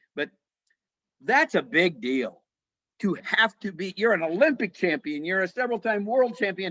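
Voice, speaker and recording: A man with a US Midwestern accent speaks at a moderate pace in a raised, projected voice, his high pitch and bright, sharp tone swinging very widely, broken by long, frequent pauses, all in a dry, close sound with no echo. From US Midwest (southeast Iowa). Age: 60s. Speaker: wrestling announcer and ministry founder. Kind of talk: podcast interview.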